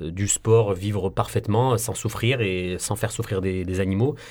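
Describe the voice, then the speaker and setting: This is an ordinary speaking voice from a man, fairly low in pitch with ordinary pitch variation. He talks at a moderate pace on a very clean recording with a silent background. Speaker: association founder, litter cleanup activist. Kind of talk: casual radio interview. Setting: radio studio.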